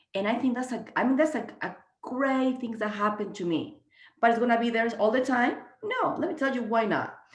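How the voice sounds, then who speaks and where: A woman with a high pitch talks at a fairly quick pace with ordinary pitch variation. Room echo is audible. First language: Spanish. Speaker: real estate investor. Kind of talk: team call training presentation. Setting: conference call. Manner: halting, frequent restarts.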